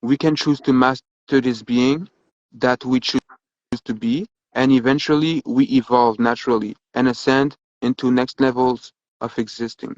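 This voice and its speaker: A man musing philosophically in casual talk, pausing often with ums and uhs. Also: medium pitch, steady tone, a little mellow, no room sound, lo-fi sound. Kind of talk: casual conversation.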